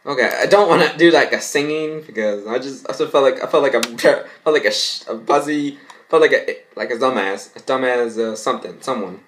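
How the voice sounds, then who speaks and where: A man's voice: medium pitch, a little fast, a bit bright. A young adult man rambling casually and reading aloud in an amateur way, often stumbling over his words, recorded at home in a bedroom. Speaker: vlogger reacting to and reading fan fiction.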